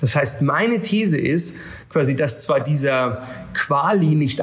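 A man speaks at a very slow pace and a fairly high pitch, with very wide pitch swings. Noticeable background noise and audible room echo fill the recording. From Bavaria, Germany. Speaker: investor and serial founder. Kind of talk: interview. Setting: remote call from Miami. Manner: animated, many fillers.

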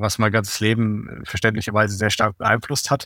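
A man with a fairly low pitch talks at a fairly quick pace in a monotone, flat intonation, on a very clean recording with a silent background and a dry, close sound with no echo. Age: 30s. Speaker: health and fitness coach, entrepreneur. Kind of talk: interview.

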